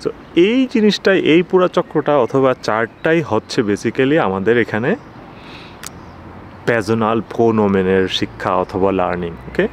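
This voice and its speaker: A man's voice: on the low side, expressive, a little hiss or hum. Patient man teaching German pronouns. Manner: patient, repeats each word slowly, frequent "okay?" checks. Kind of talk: explanatory lesson with a chart.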